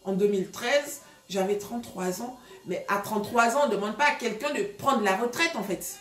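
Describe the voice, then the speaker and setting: Chatty woman in her 30s, middle pitch, recorded in an echoey room. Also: normal speed, fairly bright tone. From Gabon. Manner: chatty, many fillers, addresses viewers directly. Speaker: vlogger giving relationship advice. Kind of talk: casual storytelling to viewers.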